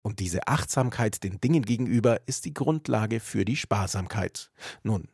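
A man reads a radio feature in a measured, lightly wry way. His voice is low, gravelly and a bit husky. It sounds close and dry. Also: lively intonation, a little mellow, no room sound. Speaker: radio reporter. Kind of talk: scripted radio narration.

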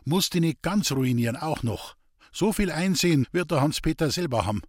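A man's voice: fairly high pitch, expressive, moderate pace, dry recording, clean studio sound, pitched above the performer's own voice. A man playing a brusque young woodsman. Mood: firm. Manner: brusque, firm, awkwardly cheerful. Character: sturdy young forest worker, brusque but warm.

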